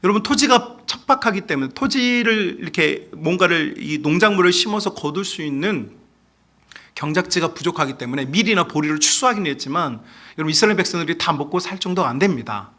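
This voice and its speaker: A man preaching a sermon as pastor, animated, often asking the congregation questions and acting out quoted speech. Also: a little high, fairly quick. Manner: acts out quoted speech in other voices.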